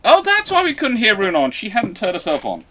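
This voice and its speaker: A man's voice: high-pitched, wildly swooping pitch, fairly quick, a bit bright, a little hiss or hum. A man hosting a live question-and-answer stream, talking in a chatty, rambling way. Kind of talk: casual live Q&A chat.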